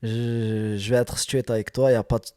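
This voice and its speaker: A man's voice: medium pitch, little pitch movement, moderate pace, mellow, dry recording, studio quality. A man talking casually as a rapper being interviewed, emphatic, often repeating phrases and checking that he is understood.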